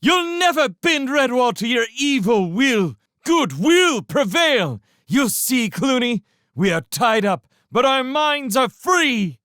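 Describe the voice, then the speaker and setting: A man doing a shrill, defiant mother vole. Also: sing-song, slow pace, hardly any pauses, bright, forceful tone, no room sound, studio quality, full character voice. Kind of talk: storybook reading.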